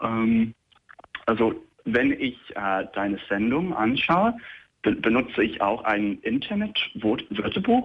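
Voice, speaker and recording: A man with an English accent at a very slow pace. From England. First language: English (speaking German). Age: 20s. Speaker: caller, university student. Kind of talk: call-in radio conversation. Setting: phone call. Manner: halting, many fillers.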